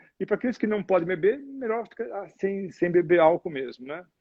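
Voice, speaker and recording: A man keeps a moderate pace while his intonation stays lively. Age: 60s. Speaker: psychiatrist, addiction expert. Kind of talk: interview conversation. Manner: hesitant, many fillers.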